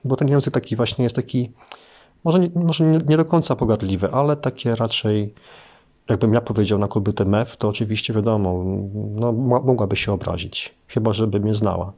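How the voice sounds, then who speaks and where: A man's voice: on the low side, normal speed, warm tone. A man teaching French vocabulary in a casual spoken lesson, explaining things unhurriedly with hesitant fillers.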